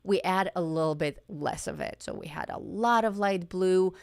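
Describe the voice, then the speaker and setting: A woman teaching art on a live stream, her voice slightly low, with a gravelly fry that is getting hoarse, yet smooth and clear. She chats casually, restarting and repeating her words. The sound is dry and close. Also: normal speed, a little mellow, no room sound. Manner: chatty, self-correcting, repeats words. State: voice going hoarse. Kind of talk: live-stream coloring lesson.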